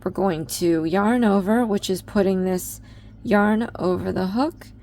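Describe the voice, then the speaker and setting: A woman's voice: mid-range voice, a little slow, darkish tone. A woman giving a chatty step-by-step crochet tutorial, with frequent ums. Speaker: crochet instructor.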